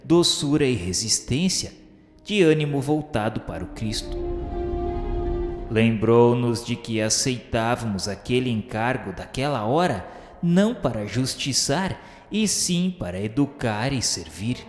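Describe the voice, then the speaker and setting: A Brazilian man voicing an earnest, awed spirit disciple who narrates a radio drama in solemn, measured, literary phrases. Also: mid-range voice, lively intonation, natural voice. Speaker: narrator and protagonist. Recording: echoey hall reverb under prominent music.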